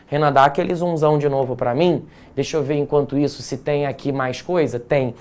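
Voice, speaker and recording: A man's voice: fairly high pitch, steady tone, a little fast, a little mellow, smooth. A man with a Brazilian accent teaching a live exam-prep grammar class, explaining step by step and checking in with his students. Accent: Brazilian Portuguese. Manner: explanatory, frequent check-ins like "certo?" and "tá?".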